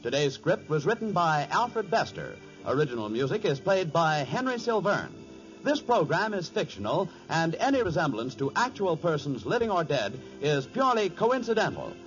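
A man's voice: on the high side, sing-song, normal speed, fairly bright tone, soft background music. A man working as a radio announcer in 1940s style, reading scripted copy with polished, emphatic salesmanship. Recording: dull lo-fi 1940s radio recording.

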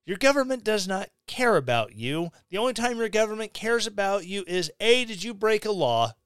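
A man's voice: sits high, big pitch swings, moderate pace, fairly bright tone, clean tone, no echo, studio quality. A man from Missouri hosting a podcast, delivering a blunt opinionated rant with sarcastic asides. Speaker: podcast host. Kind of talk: opinionated monologue.

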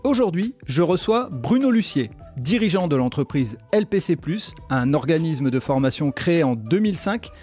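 A French man hosting a podcast, with a mellow tone and a slightly high voice. He introduces his guest in a scripted way, then talks casually with fillers, over faint music. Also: sing-song, normal speed. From northern France. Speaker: podcast host. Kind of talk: podcast interview.

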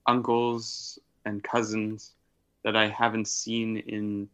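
A speaker in a casual podcast chat, talking in a measured way after hesitant starts. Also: medium pitch, flat delivery, fairly bright tone.

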